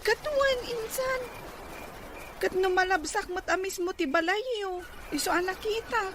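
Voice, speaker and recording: A woman's voice: very high-pitched, a little slow. A woman playing a young female cousin and dutiful granddaughter in an Ilocano audio drama. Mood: questioning. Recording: noisy amateur recording.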